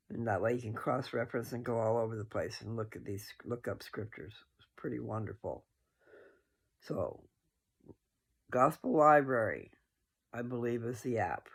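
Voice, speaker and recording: This man's voice is gravelly and full of fry, sitting at an average pitch, and he yawns sleepily while hosting a casual scripture discussion for followers. His homespun, wandering delivery keeps doubling back as he corrects himself.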